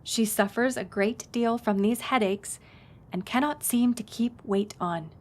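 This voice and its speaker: A woman's voice: a little high, a little slow. A woman playing a friendly, knowledgeable historic house tour guide in an audio roleplay, speaking in an informative, conversational way. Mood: solemn reading. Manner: conversational, informative, engages the listener with questions.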